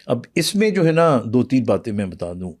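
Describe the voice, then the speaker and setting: A man speaking as a doctor on a podcast, patiently walking through his answers with pauses and fillers. His voice is mellow and warm. The recording is dry and close. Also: medium pitch, very animated, dry recording. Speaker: internal medicine doctor, podcast guest. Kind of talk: explanatory interview talk, mixing in English.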